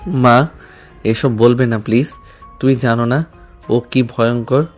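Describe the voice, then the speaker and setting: An actor playing a shy, nervous young man who speaks in a hesitant, halting way in an audio drama. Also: medium pitch, steady tone, faint music behind. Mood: flustered.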